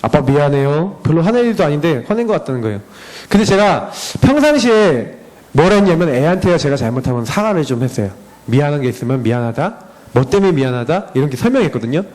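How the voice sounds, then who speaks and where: A man's voice: on the high side, quick pace, low-quality recording. A man in his thirties, a parent giving a slide presentation at a church education session, telling stories about his children and acting out their talk. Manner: animated storytelling, acting out dialogue with his children.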